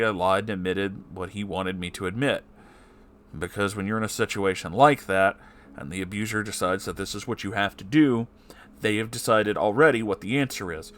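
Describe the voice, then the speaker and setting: Low-voiced man reading, cursing in asides. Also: fairly bright tone. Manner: swears a lot in angry, sighing asides between passages. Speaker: channel host reading a story aloud. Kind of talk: reading a personal post aloud with heated asides.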